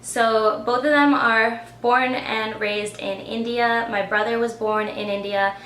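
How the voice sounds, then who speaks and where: A woman's voice: a little high, steady tone, unhurried, fairly bright tone. Chatty young woman vlogging in an echoey room. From Australia. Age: 20s. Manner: chatty, lots of "like" fillers. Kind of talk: casual get-to-know-me vlog. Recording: echoey room with faint ambient noise.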